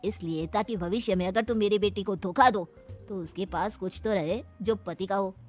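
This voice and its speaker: A woman's voice: medium pitch, normal speed, a little mellow, soft background music, lightly acted. A woman voicing a scheming older man, a bride's wealthy father, who taunts and gloats in a cartoon. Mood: gloating. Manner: smug, taunting. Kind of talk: cartoon voice acting.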